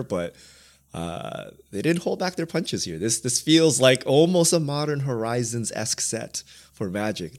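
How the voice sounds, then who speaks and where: Male podcast regular, lowish voice, a bit under the weather, matter-of-fact. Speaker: podcast regular, site owner. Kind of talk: casual podcast chat.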